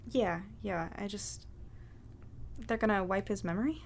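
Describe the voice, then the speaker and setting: A woman's voice: medium pitch, a little slow, gravelly, a little hiss or hum. A woman playing an earnest, anxious female reporter in an audio drama, conversational, tentative and a little self-deprecating. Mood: uneasy. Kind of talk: naturalistic audio drama acting and narration.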